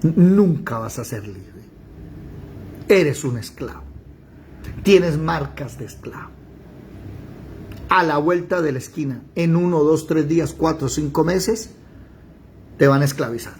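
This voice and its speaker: A man teaching a Bible study, firing rhetorical questions and breaking into shouted pleas. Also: on the high side, expressive, slow pace, pauses often, a little hiss or hum.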